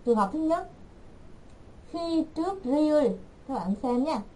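A woman teaching an online language class, repeating words slowly and patiently for her learners. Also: sits high, lively intonation, warm tone, low-quality recording.

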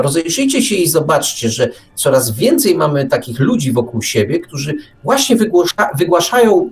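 A man's voice: a little high, a little mellow, recorded from a distance. A man hosting a live radio talk, musing discursively, repeating and rephrasing himself and posing rhetorical questions. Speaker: radio show host. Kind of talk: casual live talk, reflective monologue.

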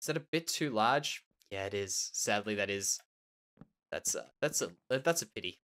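A lowish, fairly bright male voice with lively intonation and a moderate pace narrates casual Minecraft gameplay. The Australian host sounds nasal and a little tender, musing aloud and repeating words about what he has built.

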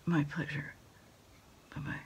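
A woman doing a quiet ASMR roleplay as a food delivery order taker on the phone, whispery and soft-spoken, with hesitant, halting phrases. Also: muffled recording. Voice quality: whispery, breathy, mostly unvoiced. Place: small dim desk corner indoors.

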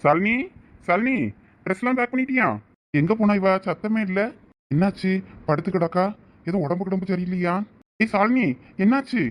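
A man's voice: high-pitched, normal speed, pauses often, natural voice. A man acting as a caring young husband in a village comedy-drama, coaxing and teasing his wife affectionately. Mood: worried. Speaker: actor in a village family skit.

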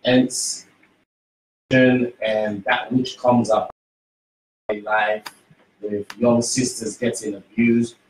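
A man answering as a radio interview guest in an earnest, deliberate way, often in short listed phrases. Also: mid-range voice, little pitch movement. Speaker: studio guest, community ambassador. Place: small radio studio. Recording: roomy, distant, noisy studio pickup.

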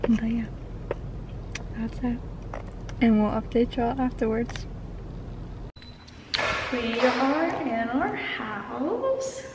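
A woman's voice: on the high side, lively intonation, very slow, long pauses, noisy background. A young woman vlogging casually into a handheld camera, chatty and giggly as she gives a tour of an empty house. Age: young adult. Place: car, then empty house with bare rooms. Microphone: handheld camera at arm's length. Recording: echoey empty rooms.

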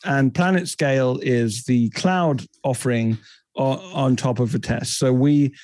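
British guy in his 30s on a headset, talks through tech stuff easy, mid pitch, dry. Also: a little slow, darkish tone, no room sound. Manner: fluent, explanatory, technical. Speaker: guest, tech company CEO. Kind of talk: conversational podcast interview. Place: home office.

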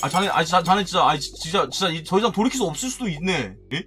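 A man doing excited commentary as a gaming YouTuber, shouting and groaning as he opens eggs, with mock-formal asides. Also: sits high, fast, soft background music. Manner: animated, shouts and groans while opening eggs.

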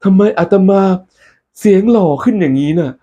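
A man voicing a kindly, cheerful male monk in a told story, exclaiming with hearty, drawn-out words. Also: high-pitched, animated, mellow, pitched above the performer's own voice. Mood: delighted. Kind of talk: storytelling role-play.

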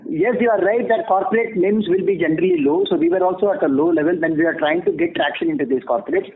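High-pitched Indian man on a tinny phone line. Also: big pitch swings, vocal fry, slight background noise. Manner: measured, formal, explanatory. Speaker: bank executive answering analysts. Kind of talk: earnings call answer. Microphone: phone conference call.

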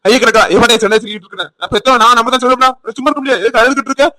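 A man's voice: extremely high pitch, rapid-fire, bright, forceful tone, no echo. A man voicing a protective village father with a Tirunelveli Tamil accent, firm and reassuring, in a cartoon.

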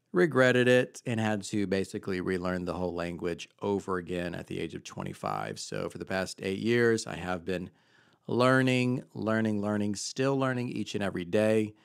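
Man in his thirties, podcast host, earnest and chatty, smooth voice, dry close mic. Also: fairly low pitch, no room sound. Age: 30s. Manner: chatty, earnest, loose with fillers. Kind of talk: casual faith podcast monologue. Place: home office, indoors. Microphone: handheld mic close to mouth.

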